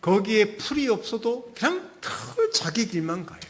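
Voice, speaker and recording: Lively-voiced male pastor preaching. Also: high-pitched, normal speed. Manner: relaxed, conversational preaching with asides. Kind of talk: Sunday sermon.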